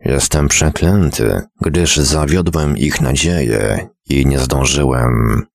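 A man's voice: a bass voice, slow pace, vocal fry, no echo, studio quality, exaggerated voice. A man reading a story aloud and voicing a drunken, bloated man who rambles on about having once been a great scientist. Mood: drunken rambling. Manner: mumbling, rambling, slurred. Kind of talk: audiobook character reading.

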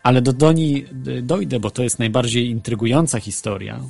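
A man's voice: medium pitch, fairly even intonation, fairly quick, gravelly, darkish tone, no echo. A man hosting an internet radio show, talking casually and hesitantly with frequent fillers and restarts. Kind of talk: casual radio talk with ghost stories. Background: faint music bed.

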